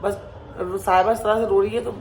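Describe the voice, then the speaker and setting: A young woman talks straight to her camera in a casual home vlog. She sounds worried and speaks in short, quick bursts. The room is echoey, and a faint noise sits in the background. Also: medium pitch, fairly even intonation, gravelly, a little mellow. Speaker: vlogger.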